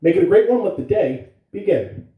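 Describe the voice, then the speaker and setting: A woman giving school morning announcements and reading a picture book aloud to young listeners, in a gentle storytelling way. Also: fairly low pitch, animated, fairly quick, reverberant, far from the mic, phone-quality sound. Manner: gentle storytelling, coaxing a child to look.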